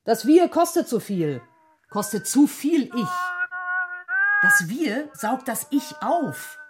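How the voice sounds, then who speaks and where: An actress playing a torn, brooding and defiant inner voice in a literary radio play, speaking in deliberate, emphatic short phrases. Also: female voice, high-pitched, sing-song, exaggerated voice. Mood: brooding, insistent. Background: prominent music.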